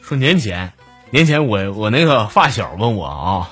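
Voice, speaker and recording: A man's voice: lowish voice, very animated, normal speed, music in the background. A man with a Northeastern Mandarin accent hosting a comedy show, telling funny stories and reading out listeners' jokes with a teasing, chuckling delivery. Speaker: podcast host.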